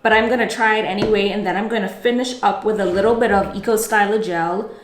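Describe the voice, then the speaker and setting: A woman's voice: medium pitch, fairly even intonation, fast talker. Chatty young woman vlogging in echoey room. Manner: chatty, self-correcting, talks through each step. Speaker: beauty vlogger. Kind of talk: casual hair-care vlog. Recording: echoey home room, faint ambient noise.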